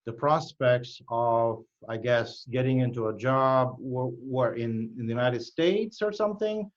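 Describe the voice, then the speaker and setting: Man giving direct advice on a call. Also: dull audio. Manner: direct, emphatic advice, with quick lively pitch lifts. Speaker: host and cybersecurity educator. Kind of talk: live online Q&A chat. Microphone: video call.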